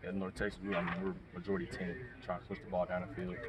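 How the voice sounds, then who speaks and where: A young man, a college quarterback, answering reporters outdoors in a soft-spoken way with many ums. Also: sits low, monotone, fast talker, dull audio, a loud crowd. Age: young adult. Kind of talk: outdoor media interview. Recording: loud background noise outdoors.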